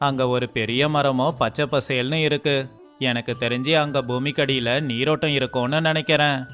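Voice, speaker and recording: A man with a medium-pitched, fairly bright voice acts out several village men one after another in a storybook dialogue. He is a voice actor for story characters, and faint music plays behind him.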